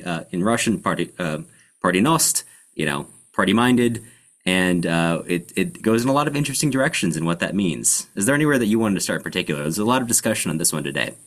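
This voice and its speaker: Low-voiced guy hosting a book chat, kinda halting, explains stuff as he goes. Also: a bit bright. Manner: halting, explanatory, searching for words. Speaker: podcast host. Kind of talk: casual book discussion.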